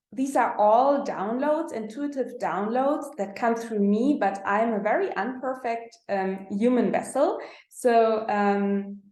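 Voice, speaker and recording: A woman with a German accent, a non-native English speaker giving a spiritual astrology talk, pausing often and searching for her words. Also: on the high side, darkish tone, echoey room. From Austria. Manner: slow, halting, searching for words with many fillers.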